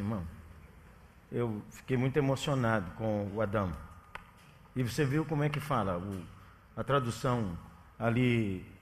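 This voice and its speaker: A man from northern Minas Gerais, Brazil, with a matching accent, preaching a sermon in a joking, chatty way that builds to loud, emphatic scripture reading. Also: medium pitch, slight background noise. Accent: northern Minas Gerais Portuguese. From Janaúba, Minas Gerais, Brazil. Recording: long hall reverb.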